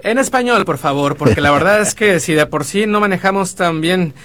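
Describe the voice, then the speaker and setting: A man's voice: high-pitched, fairly quick, fairly bright tone. A man hosting a radio interview in a studio booth, chatty with frequent fillers. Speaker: radio show host.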